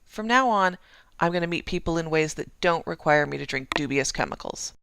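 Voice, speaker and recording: A woman's voice: deep voice, expressive, fairly quick, creaky, a bit bright, clean tone, full character voice. A woman playing an earnest, naive, quirky young woman in an audio drama. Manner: earnest, declarative.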